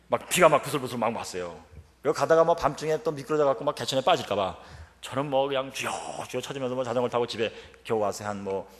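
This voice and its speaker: Fast, animated man preaching in a hall. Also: medium pitch. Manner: animated storytelling with acted quotes. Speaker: professor speaking at a revival meeting. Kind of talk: humorous revival-meeting sermon. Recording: reverberant church hall.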